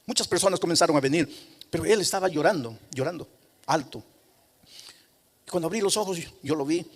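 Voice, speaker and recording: A male pastor telling a story in a sermon, often dropping to hushed tones. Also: fairly high pitch, fairly quick. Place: large coliseum hall. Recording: long reverb of a large hall.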